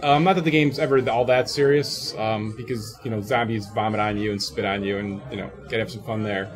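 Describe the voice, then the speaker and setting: A man with a fairly low, steady voice gives a brisk, tongue-in-cheek interview as a game developer at a game table in an open convention hallway. The echoey space carries crowd chatter and soft background music.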